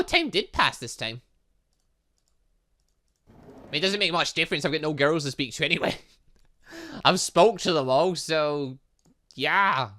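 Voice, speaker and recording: Bright, animated man gaming. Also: a little high. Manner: rambling, exclamatory, thinking aloud. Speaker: gaming channel host. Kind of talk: excitable game playthrough commentary.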